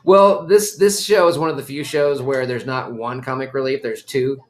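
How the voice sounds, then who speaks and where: A man's voice: mid-range voice, steady tone, moderate pace. A middle-aged man hosting a casual live stream while watching a cartoon with his kids, chatting and answering viewer comments. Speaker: channel host watching a show with his kids.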